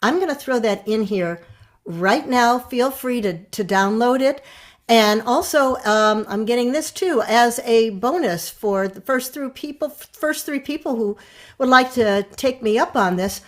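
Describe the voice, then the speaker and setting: Woman host of an online coaching class, upbeat promo delivery, a bit high-pitched. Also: measured pace. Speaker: on-camera presence coach. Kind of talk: live online masterclass hosting.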